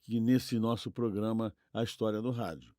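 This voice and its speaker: A man's voice: on the low side, steady tone, moderate pace, crowd noise. An older Brazilian man co-hosting in a casual, chatty way, affirming his partner and seeking agreement with tag questions. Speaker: co-host. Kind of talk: casual chat.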